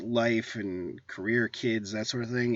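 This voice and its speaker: The voice moves at a moderate pace with monotone, flat intonation. The background is quiet. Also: man. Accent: Midwestern. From US Midwest, Wisconsin. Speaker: tabletop gaming YouTuber. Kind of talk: Q&A vlog. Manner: hesitant, many fillers.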